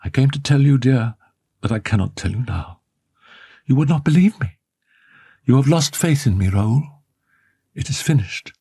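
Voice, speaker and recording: A man's voice: mid-range voice, normal speed, gravelly, mellow, husky, dry recording, clean studio sound. A man doing a grave, sorrowful young woman. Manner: grave, breaking, subdued.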